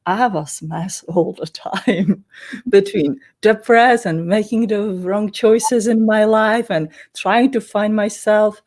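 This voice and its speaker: A woman from the Czech Republic with a Czech accent, talking earnestly and casually as an interview guest about meditation and healing, in loose non-native English with frequent soft laughs. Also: medium pitch, slow pace. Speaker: spiritual teacher and guest.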